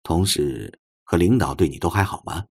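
A man voicing a gentle, tactful professor with a soft, courteous way of talking in an audiobook. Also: deep voice, moderate pace, pitched below the performer's own voice. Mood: casually probing. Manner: soft, courteous, probing questions. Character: gentle, polite, tactful male university professor.

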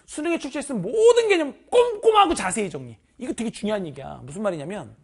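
A male math teacher talks straight to his students in an online course orientation, teasing them and breaking into loud bursts of emphasis. His voice is husky and swings widely in pitch. He speaks casually and informally to them throughout. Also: fast. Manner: animated, teasing, bursts of shouting; informal, addresses students directly.

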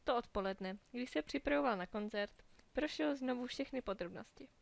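A woman's voice: a little high, animated, vocal fry. Woman reading a children's story. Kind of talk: read-aloud children's story. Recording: dry close mic over soft music.

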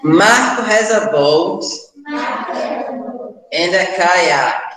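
A man's voice: high-pitched, animated, very slow, sharp tone. A young man with a Brazilian Portuguese accent teaching an English class over a video call, patient, repeating sentences for students. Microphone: laptop video call. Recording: echoey room.

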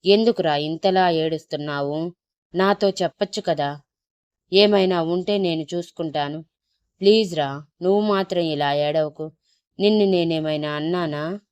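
A woman's voice: deep voice, normal speed, darkish tone, clean tone, no room sound, lo-fi sound, natural voice. A woman voicing a worried, protective young husband who scolds, then coaxes and pleads. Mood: pleading.

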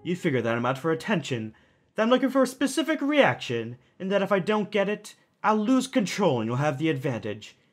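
A man playing a calculating, smugly theatrical kidnapper in an audio drama, mocking with drawn-out, deliberate phrasing. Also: sits high, sing-song, soft background music.

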